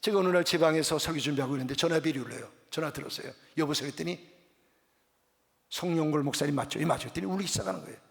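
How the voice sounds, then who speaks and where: A man's voice: on the high side, very fast, gravelly. A middle-aged man preaching a revival sermon as pastor, telling stories and acting out the dialogue. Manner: animated storytelling, acts out dialogue. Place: church sanctuary. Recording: reverberant church hall.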